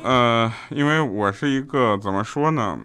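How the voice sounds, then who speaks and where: Faint music plays behind a man hosting an audio show with a stand-up monologue, his voice medium-pitched and smooth. Deadpan setups lead to quick punchlines, and he often turns to the listener with "you know?".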